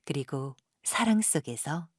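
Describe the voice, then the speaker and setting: A woman narrating a literary audio drama in a hushed, solemn, lyrical manner with a breathy voice. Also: deep voice, lively intonation, measured pace, no echo, clean studio sound.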